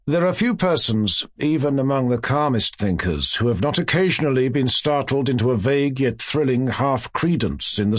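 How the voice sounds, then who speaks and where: Male audiobook narrator for classic fiction: formal, highly varied intonation, very dry recording. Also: husky, no echo.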